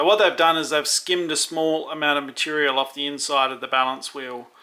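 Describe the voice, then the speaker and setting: A man talks with an Australian accent in a fairly high pitch. His tone is bright and sharp, his intonation fairly even. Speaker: watch repairer. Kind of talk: tutorial. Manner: casual, with fillers.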